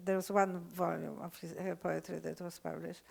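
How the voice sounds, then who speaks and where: An older woman with a Polish accent, lecturing unscripted, halting often with fillers and restarts. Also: on the low side, level tone, gravelly, a little mellow, slightly rough. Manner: hesitant, many fillers and restarts.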